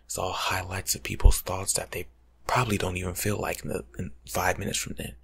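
A young American man doing a casual, slangy ASMR life coach roleplay in a hushed, breathy half-whisper, close to the mic. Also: low voice, level tone, brisk. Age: young adult. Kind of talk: ASMR roleplay monologue, softly spoken and whispered. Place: small room at home, indoors.

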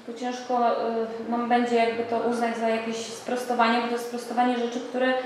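A woman journalist presses her questions at a press conference, persistent and probing. Her voice sits fairly high and stays flat in pitch. She is picked up from across a strongly echoey room. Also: a little fast, recorded from a distance, a little hiss or hum.

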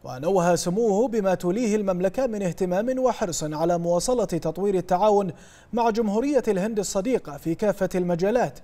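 A man reading a formal news report as a news reader, in a measured broadcast delivery. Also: sits high, dark tone. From Bahrain.

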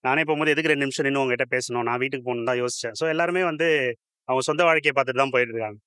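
A man's voice: mid-range voice, racing, sharp tone, clear, resonant tone, dry recording, clean studio sound. A middle-aged man on his way home from work, answering a street interviewer in short, listed points. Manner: listing points in short phrases. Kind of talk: street vox pop answers. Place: covered footbridge outdoors. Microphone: handheld interviewer mic.

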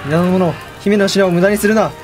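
An actor playing a devoted samurai retainer in a historical voice drama, with urgent military delivery. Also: male voice, sits high, a little fast, over music, close to an everyday voice. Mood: anguished, defiant. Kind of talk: Japanese historical voice drama acting.

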